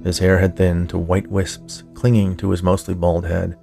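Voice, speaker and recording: A man with a low, gravelly voice narrates fiction as a podcast storyteller. His delivery is scripted audiobook reading, with faint music underneath. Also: monotone, normal speed.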